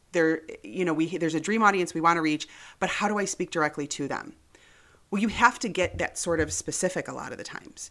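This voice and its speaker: A woman speaks at a very fast pace with a fairly low pitch. The recording is very clean, with a silent background. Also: ordinary pitch variation. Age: 40s. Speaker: podcast host, marketing mentor. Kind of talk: solo podcast monologue. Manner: casual, conversational.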